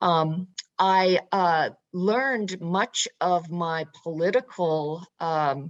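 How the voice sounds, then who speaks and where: The voice moves at a very slow pace with ordinary pitch variation. The sound is dry and close, without echo. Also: woman, fairly low pitch for a woman. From United States, Japanese immigrant community. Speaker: state legislator. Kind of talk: panel opening remarks. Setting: virtual panel event. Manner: halting, many fillers.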